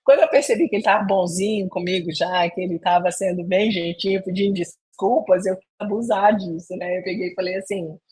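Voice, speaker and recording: A woman's voice: medium pitch, fairly quick, few pauses, slightly rough. A middle-aged woman speaking at a leadership webinar, telling a story from her own work life and acting out the dialogue in it. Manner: animated, acts out quoted dialogue.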